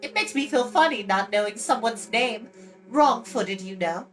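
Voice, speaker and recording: A woman's voice: a little high, lively intonation, unhurried, a bit bright, soft background music, pitched above the performer's own voice. A woman voicing a chatty, blunt young girl in a fantasy storybook, in a light, musical voice with a breezy manner. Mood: indignant, blunt. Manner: breezy, talkative, matter-of-fact. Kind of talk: children's fantasy storybook reading.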